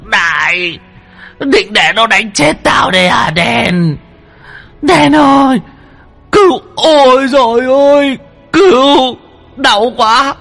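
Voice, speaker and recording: Man doing a shrill whiny old lecher ghost. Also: animated, slow, creaky, fairly bright tone, faint music behind, exaggerated voice. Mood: panicked pleading. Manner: shrill wailing, yelping for help.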